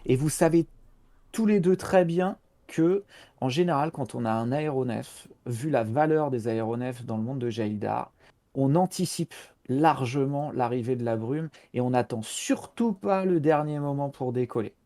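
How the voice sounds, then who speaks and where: A man's voice: mid-range voice, normal speed, warm tone. A man running a tabletop role-playing game as game master, explaining the scene with lots of hesitations and restarts. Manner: hesitant, many fillers and restarts while explaining.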